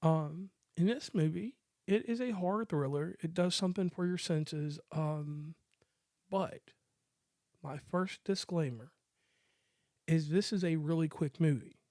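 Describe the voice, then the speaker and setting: A man's voice: a little high, unhurried, mellow, dry recording, studio quality. An American man hosting a movie review podcast in casual, slangy chat, rambling and joking as he goes. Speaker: podcast host.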